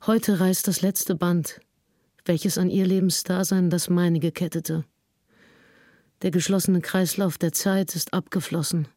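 A woman playing a grieving nineteenth-century diarist in a solemn dramatic reading, with drawn-out phrasing. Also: fairly low pitch, fairly even intonation, mellow, no room sound, clean studio sound. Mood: grieving, desolate. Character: grieving 19th-century woman writing in her diary. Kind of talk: dramatic reading of a historical diary.

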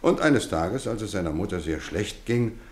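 Actor as deep-voiced, animated kindly housemaster. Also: male voice, moderate pace, roomy sound, close to an everyday voice. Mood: wistful, reflective. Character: kindly, playfully stern boarding school housemaster, grown man. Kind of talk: German radio play acting.

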